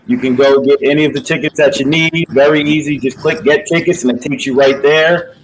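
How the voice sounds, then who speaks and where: Promoter type: male, energetic and persuasive, slightly raised pitch. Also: a little fast, a little hiss or hum, low-quality recording. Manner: upbeat, motivational, urging. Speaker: boxing promoter. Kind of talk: casual promotional chat.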